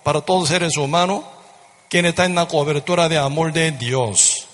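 A man delivering a fervent sermon, his voice pitched slightly high for a man. He hammers points home through repetition and keeps checking in with rhetorical questions. The sound rings with the long reverb of a large hall. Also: steady tone, moderate pace, a bit bright. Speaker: preacher.

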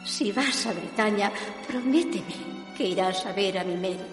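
A woman's voice: mid-range voice, measured pace, close to an everyday voice. An actress playing an affectionate, wistful married woman in a radio drama, speaking tenderly and pleadingly. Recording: long echoing reverb over music.

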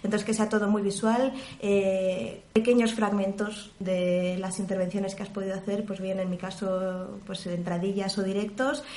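A professional voice-over woman from Spain, chatting in an interview and explaining her work with lively examples. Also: mid-range voice, normal speed, hardly any pauses, reverberant. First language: Spanish. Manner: animated, explains with examples and imitated sounds. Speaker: interview guest, professional voice-over artist and journalist. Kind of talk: relaxed conversational interview.

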